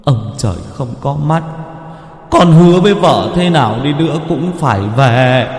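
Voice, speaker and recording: A man voicing a grieving young ghost husband who pleads slowly and tearfully, with sing-song rises. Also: sits low, warm tone, pitched below the performer's own voice. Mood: tearful pleading. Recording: long hall reverb, faint music.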